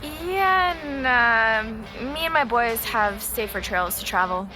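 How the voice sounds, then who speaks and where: An actress playing a wry, unhurried young woman in an audio drama. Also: on the high side, lively intonation, rough recording. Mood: relaxed, proud. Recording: very loud music behind the voice.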